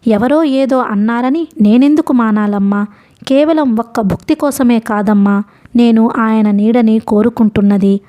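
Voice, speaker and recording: A woman's voice: on the high side, unhurried, dark tone, close to an everyday voice. A woman narrating a novel, voicing a weary young woman who answers her mother firmly and sarcastically. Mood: defiant. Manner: firm, sarcastic, tired. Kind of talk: audiobook novel reading.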